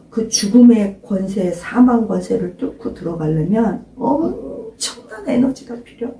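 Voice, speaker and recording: Preaching informally to a small congregation, an older woman pastor uses a warm, medium-pitched voice. She emphatically questions those listening and urges them to pray aloud, while a far-off mic captures the roomy echo.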